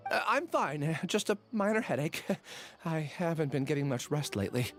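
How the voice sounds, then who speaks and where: A man voicing a gentle, apologetic young scholar in an anime-style video game, polite and hesitant. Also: fairly high pitch, very animated, moderate pace, music in the background. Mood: evasive.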